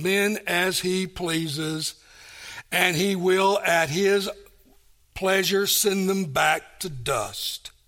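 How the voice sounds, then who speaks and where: Over music in the background, a voice with an American accent speaks at a very slow pace with ordinary pitch variation. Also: man. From US South, Kingsport, East Tennessee. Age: 70s. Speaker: pastor. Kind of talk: sermon. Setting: church.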